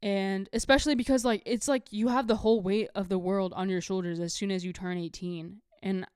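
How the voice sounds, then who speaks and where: A young woman in her late teens chats as a solo podcast host in a smooth, clear voice at a medium pitch. The recording is close and dry. Her delivery is casual and confessional, rambling along with lots of filler "like". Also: fairly even intonation, brisk, darkish tone, dry recording. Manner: rambling, heavy use of "like", candid.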